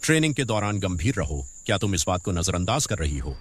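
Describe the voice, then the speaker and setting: A man's voice: low voice, very animated, a little fast. A man voicing a stern military drill instructor who scolds and barks orders at trainees, in a dubbed drama. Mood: scolding. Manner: barking commands, sarcastic. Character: stern male drill sergeant, harsh and scolding.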